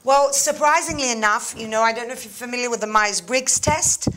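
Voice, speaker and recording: A woman speaking as an interview guest, her voice bright and slightly high. She talks animatedly, breaking into laughs and leaning on fillers as she chats. The tone stays casual and open. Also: fairly quick, rough recording. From England and Greece. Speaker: interview guest, mentoring manager. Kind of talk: casual chat.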